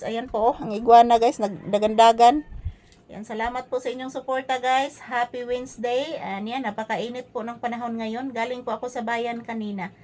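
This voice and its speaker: A woman vlogger with a slightly high voice talks easily to her followers, sprinkling "guys" through every sentence. A faint background hum sits under her casual chat. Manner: keeps calling her viewers "guys" and "palangga". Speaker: vlogger with a pet puppy. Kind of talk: casual vlog chat to viewers. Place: hanging out at a small store.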